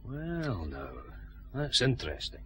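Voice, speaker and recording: An actor playing a gruff, wry detective inspector in a radio drama. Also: male voice, medium pitch, wildly swooping pitch, slow.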